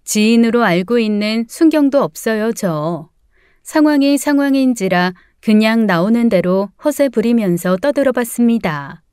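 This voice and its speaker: A woman narrating a first-person audiobook story in a steady, calm way. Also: on the high side, moderate pace, clear, resonant tone, no room sound, clean studio sound.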